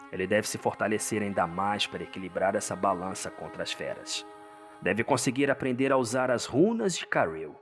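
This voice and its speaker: Deep-voiced Brazilian man, suspenseful narrator. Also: fairly bright tone. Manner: suspenseful, theatrical. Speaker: narrator, host. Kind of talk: dramatic scripted story narration. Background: music.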